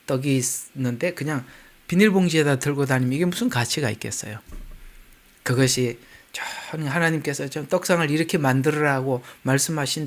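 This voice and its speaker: An older male pastor with a Gyeongsang accent, preaching a sermon in a chatty way with laughing asides to the congregation. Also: medium pitch. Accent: Gyeongsang Korean.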